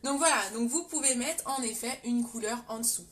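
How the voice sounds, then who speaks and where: Chatty french girl doing makeup live, kinda high voice, faint hiss behind. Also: moderate pace, a bit bright. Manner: chatty, talks to viewers and reads comments. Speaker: makeup livestream host. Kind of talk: casual live makeup tutorial.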